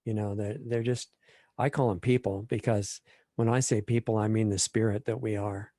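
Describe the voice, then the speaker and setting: A man speaking as a guest in a spiritual interview, calm, measured and reflective. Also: on the low side, dry recording.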